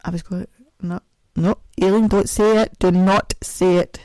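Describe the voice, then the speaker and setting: A woman's voice: fairly even intonation, unhurried, dark tone, dry recording. A woman hosting a podcast in a casual, self-mocking ramble, speaking carefully around a sore mouth after dental work. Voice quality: deep voice. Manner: chatty, self-mocking, sings snatches. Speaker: podcast host. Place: home, audio only.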